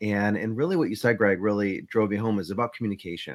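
A man with an American accent talks at a very fast pace in a fairly low pitch. The recording is very clean with a silent background, and the sound is dry and close with no echo. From upstate New York. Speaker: communication coach. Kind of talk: interview.

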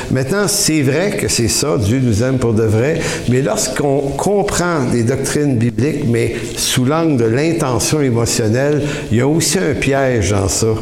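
Speaking fairly slowly with a Quebec accent, the voice has lively intonation and very even loudness over noticeable background noise. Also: man, medium pitch for a man. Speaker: preacher. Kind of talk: sermon, teaching from scripture. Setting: church. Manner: earnest, conversational, with hesitations and self-corrections; didactic, explaining step by step.

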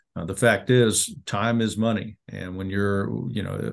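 A man with a fairly low pitch speaks with fairly even intonation. The background is quiet. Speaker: state legislator. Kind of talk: interview. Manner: hesitant, filler words.

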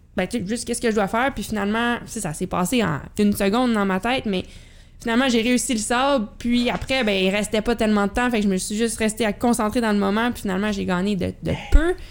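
A woman talks at a very fast pace. Her fairly high pitch shows ordinary variation. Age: 20s. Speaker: pro cyclocross racer. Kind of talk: casual interview chat.

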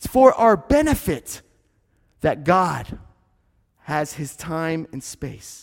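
A man with a fairly high pitch and lively intonation talks very slowly, with long, frequent pauses and big swings in loudness, in a very clean recording with a silent background. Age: 30s. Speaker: pastor. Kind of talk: sermon.

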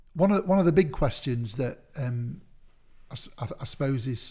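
A somewhat breathy man at medium pitch with a dark, mellow tone, ordinary pitch variation and a fairly slow pace. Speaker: podcast host. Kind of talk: casual interview chat.

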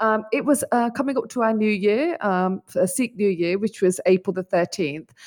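A woman with a British accent talks at a moderate pace with hardly any pauses, using lively intonation at a fairly high pitch, on a very clean, dry, close recording with no echo and a silent background. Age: 40s. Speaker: business coach and hypnotherapist. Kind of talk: interview. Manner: halting.

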